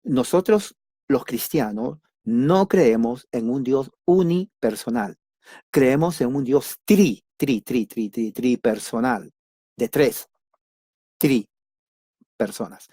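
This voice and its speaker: A man's voice: mid-range voice, animated, dark tone, breathy edge, no echo. Emphatic man teaching Bible class, dry sound. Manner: emphatic, repeats key words; deliberate, simple wording. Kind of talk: church doctrine class.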